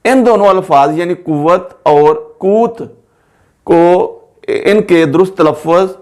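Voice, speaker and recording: A man teaching an Urdu pronunciation lesson, slowly repeating each word to show how it is said. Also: high voice, darkish tone. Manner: slow, careful, repeats words to stress pronunciation.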